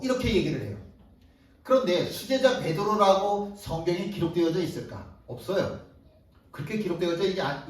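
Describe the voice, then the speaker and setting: A man preaching a sermon as pastor, telling the story in an animated way and acting out the voices of the people in it. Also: high-pitched. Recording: echoey hall, distant mic.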